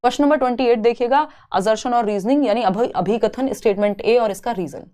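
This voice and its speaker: In an online exam-prep lecture, a young woman with a fairly high, mellow voice explains each point step by step at a fairly quick pace. She mixes in English terms and keeps asking her listeners questions, then answering them herself.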